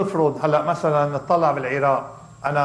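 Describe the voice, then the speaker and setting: A man with a Lebanese accent, over light background noise. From Lebanon. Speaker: professor, author. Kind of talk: university lecture. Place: hall. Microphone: podium.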